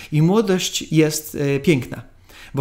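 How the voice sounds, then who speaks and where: This very clean recording, with a silent background, captures a man speaking. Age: 40s. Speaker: raw vegan diet educator. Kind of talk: interview.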